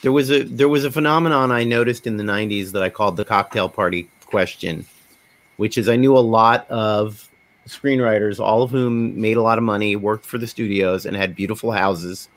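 A middle-aged man telling anecdotes conversationally in a panel discussion, slipping into quoted dialogue as he goes. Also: lowish voice. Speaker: podcast panelist, independent filmmaker.

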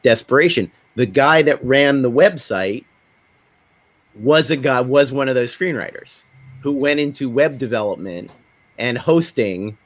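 A man's voice: medium pitch, animated, measured pace, no room sound. A middle-aged man telling anecdotes conversationally in a panel discussion, slipping into quoted dialogue as he goes. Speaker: podcast panelist, independent filmmaker.

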